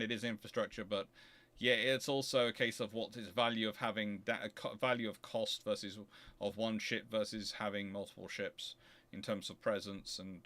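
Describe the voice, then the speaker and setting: A man's voice: lowish voice, sharp tone. Man, emphatic explainer. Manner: emphatic, digressive, self-correcting. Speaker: host answering audience questions. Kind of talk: off-the-cuff explanatory talk.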